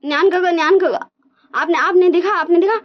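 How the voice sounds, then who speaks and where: A woman's voice: very high-pitched, brisk, voice pushed up. A woman voicing a frantic, lovesick young male professor who stammers and repeats himself. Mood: frantic pleading. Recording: dull lo-fi recording.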